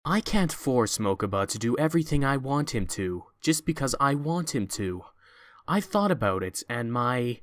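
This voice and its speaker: A man's voice: medium pitch, a bit bright, dry recording, natural voice. Man playing a stern young businessman, close and dry. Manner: curt, restrained. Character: stern, guarded young businessman, protective older brother. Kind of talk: audio drama acting.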